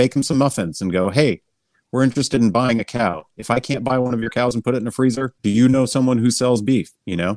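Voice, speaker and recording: Speech comes at a very fast pace. The recording is very clean with a silent background, and the sound is dry and close with no echo. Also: man. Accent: Californian. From California. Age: 40s. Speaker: almond farmer. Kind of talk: casual chat.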